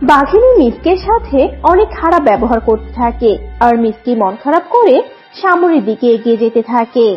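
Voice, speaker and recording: A woman's voice: high voice, sing-song, normal speed. A woman narrating a scripted cartoon story. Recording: dull lo-fi audio, music behind.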